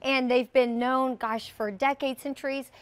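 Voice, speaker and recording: A middle-aged woman, a brand guest on a live TV shopping show, describing flatware patterns in a studio. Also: high voice, a little slow, smooth. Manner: warm, descriptive product talk. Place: TV studio set.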